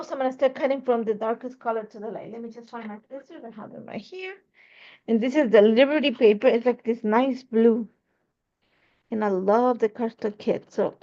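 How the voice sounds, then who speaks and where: A woman from Ecuador talks her way through a scrapbooking layout in a loose, rambling tutorial style, often catching and correcting herself. Her voice sits a little high with a gravelly fry. The audio is dull and lo-fi. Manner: chatty, rambling, corrects herself mid-sentence. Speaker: scrapbooking crafter demonstrating a layout. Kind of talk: casual craft tutorial talk.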